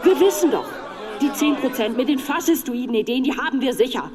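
A woman's voice: sits high, animated, a little fast, a little mellow. An actress playing a provocative woman in her thirties giving a sarcastic, emphatic political speech in a radio drama. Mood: provocative, rousing. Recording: echoing large hall with crowd.

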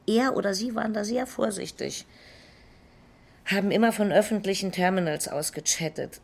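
A persistent, composed female police investigator in a crime radio drama. She questions in a measured, formal way and keeps probing, with a voice of middling pitch. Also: gravelly. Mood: pressing, skeptical.

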